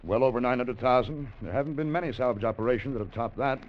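An actor playing a cautious veteran deep-sea diver who speaks in a measured, wary way, 1940s radio acting. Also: male voice, lightly acted. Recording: muffled old radio broadcast.

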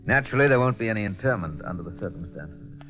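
An actor playing a haunted bomb-disposal captain who tells his story in a quiet, brooding way, in 1940s radio acting style. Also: lowish voice, expressive, fast, lightly acted. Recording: lo-fi old radio recording.

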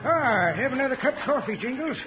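A very high-pitched old prospector for a radio western. He is folksy and unhurried in temper, an easygoing trail old-timer. The recording is dull and dated. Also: animated, over loud music. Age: older. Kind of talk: 1950s radio western acting.

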